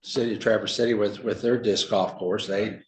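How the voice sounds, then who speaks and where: A man with a fairly low voice briefs a county board in an echoey meeting room. He talks informally and lets his sentences trail off with "so" and "you know." The room rings around his voice. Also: fairly even intonation, brisk. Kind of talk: public meeting discussion.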